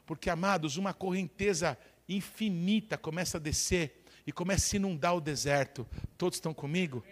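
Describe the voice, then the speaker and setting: A male pastor with a Brazilian accent preaches a fervent sermon. He keeps calling to the congregation for responses. His voice is high for a man. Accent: Brazilian Portuguese. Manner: fervent, repeated call-and-response.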